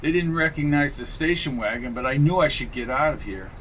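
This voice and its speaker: A man's voice: mid-range voice, expressive, brisk, a bit bright, a little hiss or hum, lightly acted, low-quality recording. A man voicing an anxious young woman who asks worried, urgent questions.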